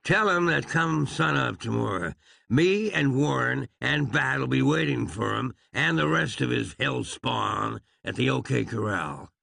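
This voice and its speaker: A man's voice: medium pitch, animated, unhurried, creaky, pushed and bright, breathy edge, dry recording, pitched above the performer's own voice, heavily acted. A man voicing a grandiose, vengeful Old West marshal who talks in pompous, folksy frontier phrases. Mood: menacing.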